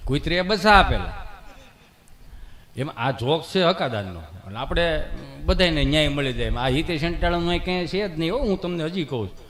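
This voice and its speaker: A man's voice: on the high side, lively intonation, fast, fairly bright tone, soft background music. A man telling folk jokes as a comedian, acting out villagers in shifting voices. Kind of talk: live folk joke storytelling.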